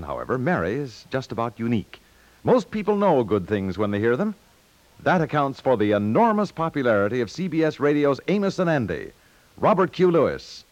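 An American man announcing for 1950s network radio. His medium-pitched voice moves in lively swings through scripted copy, recorded dry and close. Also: no room sound, muffled recording. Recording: dry 1950s radio studio, faint music.

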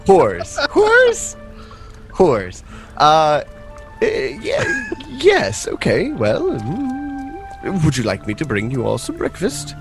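A man voicing a kindly, flustered old male circus professor in his seventies, with a raspy, breathy voice and a stammering, hesitant way of talking. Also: a little high, wildly swooping pitch, slow pace, soft background music, voice pushed up, full character voice. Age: 70s.

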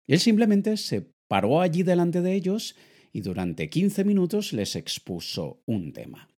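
A man from Venezuela, a public speaking coach, giving an expressive conversational lesson that addresses the listener directly. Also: high-pitched, unhurried. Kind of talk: conversational instructional monologue.

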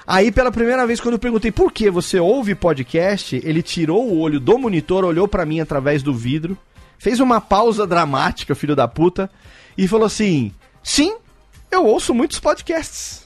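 Animated high-voiced man telling a story. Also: brisk, faint music behind. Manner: animated, acts out both sides of a dialogue. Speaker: podcast host. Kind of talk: casual storytelling among friends.

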